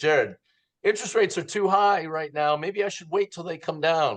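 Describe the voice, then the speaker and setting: A man's whiny put-on character voice, high in pitch, at a fairly quick pace. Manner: complaining.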